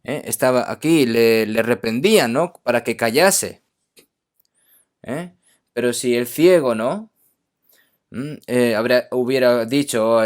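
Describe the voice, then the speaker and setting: A man's voice: medium pitch, smooth. A man from Korea preaching a sermon emphatically, often checking in with his listeners.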